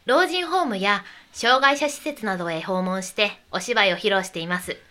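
Bright, cheerful young-sounding woman guest. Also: mid-range voice, normal speed. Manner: cheerful, clear, with light laughs. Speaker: theater troupe member. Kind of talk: radio interview.

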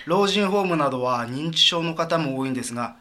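A man's voice: on the high side, expressive, a little fast, pushed and bright. A man from a visiting theater troupe, explaining their work earnestly in a radio interview. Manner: earnest, explanatory, with light laughs.

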